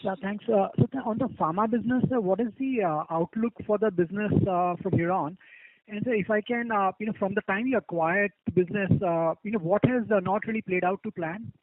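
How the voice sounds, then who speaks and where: A man's voice: high voice, fairly quick, no room sound. A man asking questions as an analyst on a company earnings call. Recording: dry, narrow phone line.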